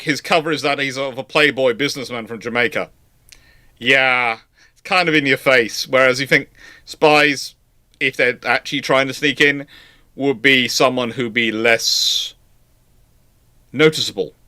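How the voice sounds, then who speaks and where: With a mid-range, sharp-toned voice at a moderate pace, this British live stream host in his forties runs a casual question-and-answer chat. He tends to ramble and states his opinions emphatically.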